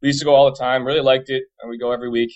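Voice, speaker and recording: Fast-talking man in his thirties. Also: medium pitch, little pitch movement, a little mellow, lo-fi sound. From Boston area, United States. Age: 30s. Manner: chatty, informal. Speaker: interview guest, pub trivia company owner. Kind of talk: casual conversational interview.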